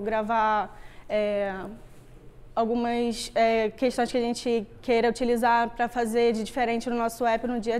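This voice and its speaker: In a meetup room with a wooden floor, a young woman speaks on stage before a screen, giving a casual tech talk as an Android developer. She has a carioca Rio de Janeiro Brazilian accent and a voice on the high side, darkish and clean.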